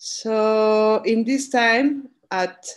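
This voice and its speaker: A woman with a Spanish accent speaks with fairly even intonation against a quiet background. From Mexico. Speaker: university academic, panel moderator; panel moderator. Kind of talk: academic presentation. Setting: video call. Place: home room. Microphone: webcam.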